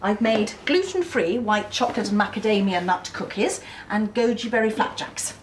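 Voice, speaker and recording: A woman's voice: animated, normal speed, a little hiss or hum, natural voice. Actress playing a gushing, fussy mother. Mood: doting. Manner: gushing, then shrill. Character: fussy, doting middle-aged mother. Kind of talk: TV drama acting.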